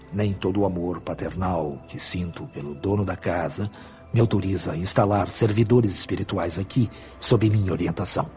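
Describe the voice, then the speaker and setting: A Brazilian actor playing a fatherly, benevolent spirit mentor in a radio drama, speaking in a measured, earnest and solemn way. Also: low voice, warm tone. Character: Brother Félix, benevolent superior spirit mentor, fatherly, grave. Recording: dull lo-fi sound with music. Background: background music.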